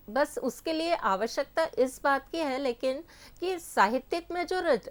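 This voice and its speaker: A woman's voice: on the high side, clean tone. A woman teacher speaking as a guest on a discussion show, earnest and formal with hesitant restarts. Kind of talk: panel discussion answer.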